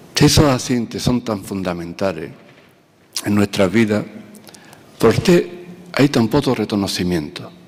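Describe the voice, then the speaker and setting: Through noticeable background noise, a man speaks at a fairly low pitch with very wide pitch swings. His pace is fairly slow, with long, frequent pauses. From Andalusia, Spain (Marchena, Seville). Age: 60s. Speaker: agriculture association president, panel speaker. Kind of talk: conference panel talk.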